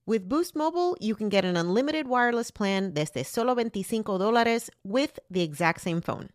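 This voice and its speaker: A woman's voice: medium pitch, animated, moderate pace, no echo, studio quality. A woman, a podcast host, reading a scripted ad that switches between English and Spanish.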